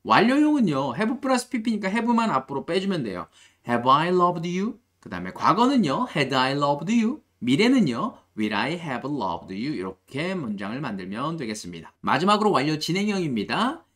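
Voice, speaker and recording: A man teaching an English grammar lesson, reading example sentences slowly and asking rhetorical questions to the learner. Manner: slow, drilled example sentences, lively pitch.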